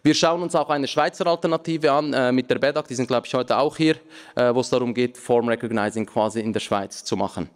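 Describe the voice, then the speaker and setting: A man in his thirties, a native Aramaic speaker, giving a relaxed conference talk from a lectern with joking asides and frequent filler sounds. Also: medium pitch, fairly quick. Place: large conference hall, at a lectern. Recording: reverberant hall.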